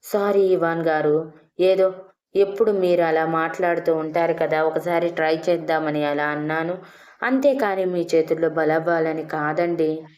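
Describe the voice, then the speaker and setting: A woman's voice: low-pitched, fairly even intonation, moderate pace, darkish tone, lightly acted. A woman voicing a playful older wife in an audio story, teasing her husband and then coaxing him. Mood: pleading. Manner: teasing, pleading.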